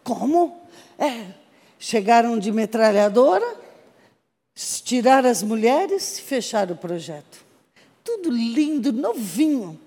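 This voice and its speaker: A Brazilian woman missionary telling her testimony to a congregation in a lively storytelling manner, acting out the voices of the people in her story. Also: fairly high pitch, slow pace. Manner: animated storytelling with acted quotes. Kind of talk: testimony sermon. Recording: reverberant hall.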